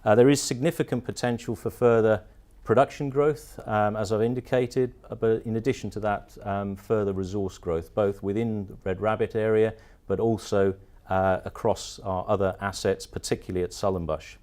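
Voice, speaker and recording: A man with a British accent giving an investor presentation as a company director, with halting phrasing and frequent ums. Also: fairly low pitch, fairly even intonation, darkish tone. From partly Turkey, mostly the UK.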